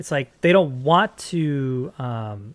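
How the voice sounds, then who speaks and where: With ordinary pitch variation, a man's voice sits fairly high. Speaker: podcast host. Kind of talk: casual chat. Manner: fast; animated.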